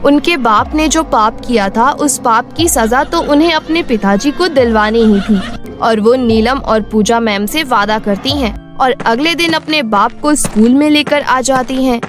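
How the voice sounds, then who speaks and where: High-voiced woman story narrator. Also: measured pace, over music. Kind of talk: dramatic scripted story narration.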